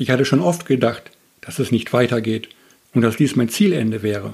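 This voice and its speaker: A somewhat breathy male voice at a medium pitch, with lively intonation and a moderate pace. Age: 50s. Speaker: interviewee sharing personal experience.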